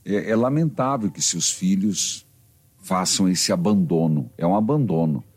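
A man's voice: low-pitched, measured pace, darkish tone, slightly rough. A man with a Brazilian accent, a priest hosting a religious call-in radio show, talking in a pastoral, exhorting way.

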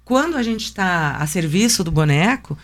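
A woman's voice: fairly low pitch, lively intonation, moderate pace. A woman puppeteer, reflecting thoughtfully in an interview and searching for her words.

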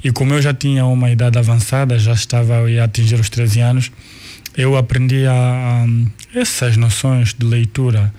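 A man in his forties with an Angolan Portuguese accent whose first language is Kikongo. He is a guest recalling his life in an unhurried, searching way, often restarting and repeating words. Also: mid-range voice, flat delivery, dark tone. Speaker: guest, artist and cultural manager. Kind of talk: reflective life-story telling.

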